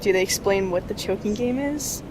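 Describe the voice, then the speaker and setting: A woman's voice: medium pitch, moderate pace, background noise. A woman co-commentating on a video game in a dry, teasing, casual way. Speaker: let's play co-commentator.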